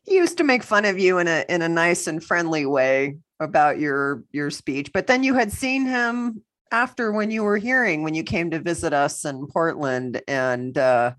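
Female podcast host, low-pitched voice, warm and encouraging interviewer. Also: lively intonation, moderate pace. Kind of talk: casual podcast conversation.

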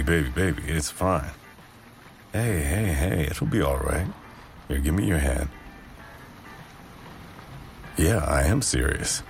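Man acting as seductive doting husband, romantic audio role-play, intimate murmur right in the ear, slow unhurried delivery, rumbling bass register. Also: a little mellow, full character voice. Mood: soothing, tender. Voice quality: deep, gravelly. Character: doting, teasing, seductive new husband on honeymoon. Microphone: very close microphone.

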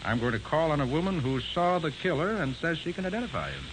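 A shrewd male detective from an old radio crime drama. He is self-assured and coolly polite, with very lively pitch. The recording is noisy, 1940s radio. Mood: politely needling. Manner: brisk, coolly polite, probing.

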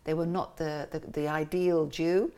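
Woman, lowish voice, animated storytelling guest. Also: measured pace, smooth. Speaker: interview guest, musician and cartoonist. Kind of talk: casual conversational interview.

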